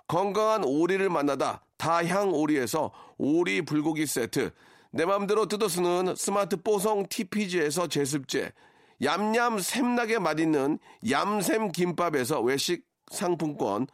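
A man's voice: fairly high pitch, no room sound, clean studio sound. Emphatic male radio host announcing prizes. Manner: emphatic prize-announcer delivery, mock-formal reporter address. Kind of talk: live phone-in hosting with prize giveaways.

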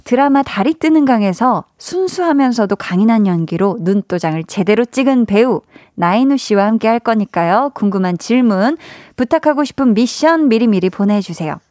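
A young woman hosting an evening radio show, chatting warmly and reading out listener messages with encouraging words. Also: fairly high pitch, lively intonation, moderate pace, no room sound, studio quality. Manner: warm encouraging, cheers listeners on. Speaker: radio host. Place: radio studio. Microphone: studio microphone.

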